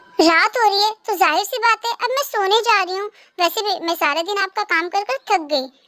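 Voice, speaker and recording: A woman does a put-on character voice at an extremely high pitch, racing along at a very fast pace with hardly any pauses and lively intonation, the sound dry and close with no echo. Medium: read story. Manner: cheeky, quick retorts.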